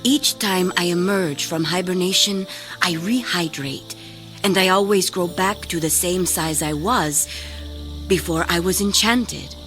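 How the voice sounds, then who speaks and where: A woman playing a full-grown enchanted tribal princess in an audio drama, with measured, formal phrasing. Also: on the low side, a bit bright, soft background music. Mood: solemn, calm.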